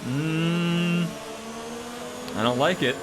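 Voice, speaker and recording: Man gaming over loud engine roar. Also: a little high, very slow, noisy background. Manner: musing, thinking aloud. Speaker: gaming streamer playing a racing game. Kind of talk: casual gameplay commentary. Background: loud racing car game audio.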